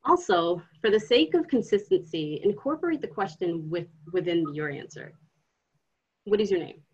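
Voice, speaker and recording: A probing young filmmaker with a husky, breathy voice. Her pitch leaps around as she questions and teases, and the sound is a little dull. Young and quick-witted. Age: young adult. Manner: lively, probing, gently mocking. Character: young woman grad student filming an interview.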